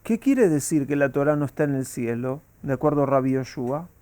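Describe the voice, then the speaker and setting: A man's voice: mid-range voice, brisk, a little mellow, clean tone. A man, a rabbi, teaching a Talmud class and asking his students rhetorical questions.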